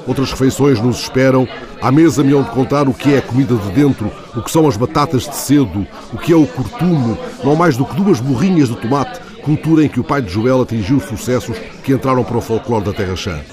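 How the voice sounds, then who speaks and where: A man giving scripted, literary narration for a documentary, measured and reading out book passages. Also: medium pitch, crowd noise. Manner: measured, reads quotes from a book.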